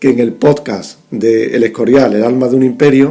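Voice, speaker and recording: Music plays behind a man with a medium pitch. He talks at a fairly slow pace with fairly even intonation. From Andalusia, Spain (Seville). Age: 60s. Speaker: painter. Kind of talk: recorded listener message.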